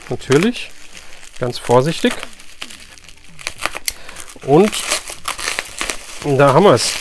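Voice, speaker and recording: A man's voice: mid-range voice, background noise. A man presenting a collector's unboxing video in casual, enthusiastic, colloquial chat, often repeating phrases for emphasis.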